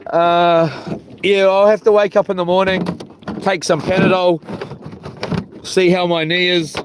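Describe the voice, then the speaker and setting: Kiwi guy with a highish voice rambling casually on a fishing livestream, clear boat and water noise round him. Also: level tone, a little slow. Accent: New Zealand. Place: outdoors on a small boat.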